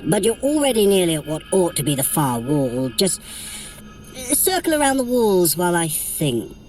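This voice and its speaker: An actress playing a haughty, mischievous trickster god in an audio adventure, theatrical, arch and wry as they guide a runner. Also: female voice, lowish voice, sing-song, moderate pace, darkish tone, soft background music. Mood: brisk, amused. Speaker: voice actor guiding a running workout. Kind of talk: in-character audio adventure narration.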